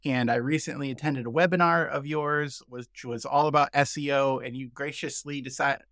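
A man hosting a podcast panel, speaking haltingly with frequent restarts. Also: mid-range voice, fairly even intonation, fairly bright tone, dry recording, studio quality. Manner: halting, many fillers and restarts. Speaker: podcast host.

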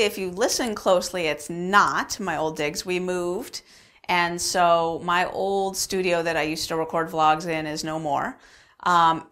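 Echoey-room woman vlogger, lower voice. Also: fairly bright tone. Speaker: vlog host answering viewer questions. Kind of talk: casual explanatory vlog talk. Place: unfinished basement room with cinder blocks and subflooring. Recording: echoey bare unfinished room.

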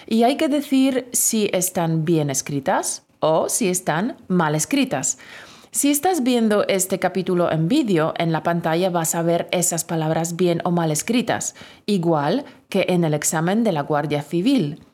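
Slow, lively-voiced woman teacher dictating. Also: lowish voice. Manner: clear, deliberate dictation. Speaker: Spanish teacher. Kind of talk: spelling dictation lesson.

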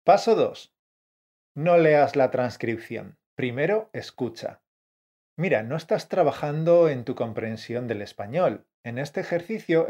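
A man co-hosting a scripted teaching podcast, brisk and coaching in tone. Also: medium pitch, darkish tone, lo-fi sound. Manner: brisk, coaching, calls listener "campeón" and "fiera". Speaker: podcast co-host, Spanish teacher.

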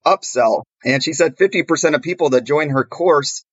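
A man's voice: a little high, moderate pace, a bit bright, lo-fi sound. A man co-hosting a podcast, asking questions in a friendly, playful way. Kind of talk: casual podcast conversation.

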